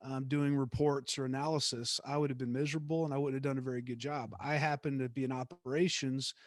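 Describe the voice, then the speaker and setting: A middle-aged man, a guest speaker, telling stories from his career in a relaxed, reflective way with frequent restarts. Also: medium pitch, fast, dry recording, clean studio sound. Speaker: guest speaker, former theme park executive. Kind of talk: conversational class talk.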